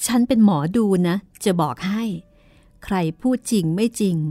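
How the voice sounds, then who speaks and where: A woman voicing a travelling-troupe owner who tells fortunes, speaking slowly and sympathetically. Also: mid-range voice, dark tone, no echo, soft background music, pitched above the performer's own voice, close to an everyday voice. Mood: gentle.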